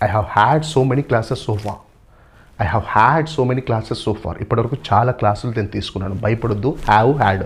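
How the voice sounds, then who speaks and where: Pitch moves in an ordinary way across the speech. There is a somewhat breathy quality to the voice. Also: man, medium pitch for a man. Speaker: spoken English teacher. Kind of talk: bilingual Telugu-English lesson. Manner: repetitive drilling.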